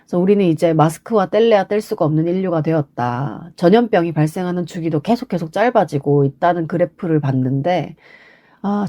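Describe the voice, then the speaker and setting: A woman's voice: lowish voice, mellow. Woman with a stuffed-up nasal voice. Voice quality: heavily congested, stuffed-nose nasal voice. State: has a cold, sniffling and throat-clearing. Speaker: podcast host. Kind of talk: casual solo podcast monologue.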